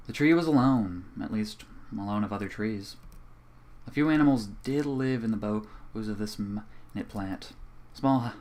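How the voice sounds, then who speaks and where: A young man reading a fan story aloud in a calm, even way at a home microphone. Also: lowish voice. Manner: casual and profane in the intro, then calm and even while reading. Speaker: fanfiction reader. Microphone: home computer microphone.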